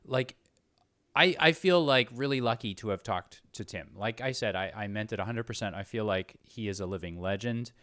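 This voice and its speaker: A man's voice: fairly low pitch, normal speed, fairly bright tone, no echo, studio quality. A man hosting a casual interview, speaking earnestly and full of appreciation. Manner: earnest, effusive praise of guest. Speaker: show host.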